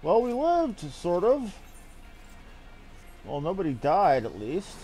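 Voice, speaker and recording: A man's voice: high-pitched, huge pitch swings, slow pace, dark tone, soft background music. A man giving casual live commentary while streaming a game, with a wry, mildly profane way of talking.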